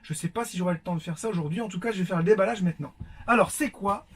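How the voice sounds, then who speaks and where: High-voiced chatty man unboxing. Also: racing, slight background noise. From France. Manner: chatty, many fillers, warm greetings to viewers. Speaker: vlogger. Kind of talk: casual unboxing chat.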